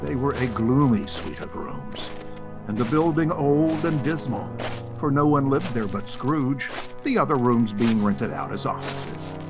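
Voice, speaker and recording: A male narrator tells a story dramatically, his mid-pitched voice swinging widely up and down. The delivery is deliberate and theatrical, with music behind it. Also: animated.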